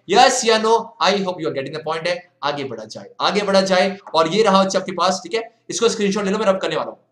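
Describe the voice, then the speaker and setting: Bright, high-voiced male teacher, echoey room. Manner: animated, coaxing, mixes English into Hindi. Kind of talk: exam solution lesson.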